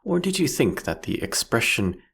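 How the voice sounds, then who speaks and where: A man playing a proudly ruthless, philosophical vampire king in a fantasy audio roleplay, speaking eloquently and mockingly in a drawn-out, theatrical way. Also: medium pitch, very animated, gravelly, fairly bright tone, slightly rough, heavily acted. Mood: defiant, mocking.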